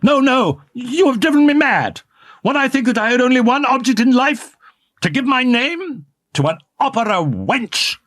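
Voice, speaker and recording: A man's voice: high-pitched, animated, unhurried, fairly bright tone, no room sound, pitched above the performer's own voice, heavily acted. A man voicing a jealous, wounded young lover who lashes out with bitter, anguished words. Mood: furious, anguished. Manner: anguished, sarcastic outbursts.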